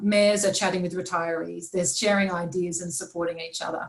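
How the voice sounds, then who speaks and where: In an Australian accent, a woman speaks with a somewhat breathy voice at a medium pitch and fairly even intonation. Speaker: community engagement panelist. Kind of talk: webinar presentation. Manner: fast.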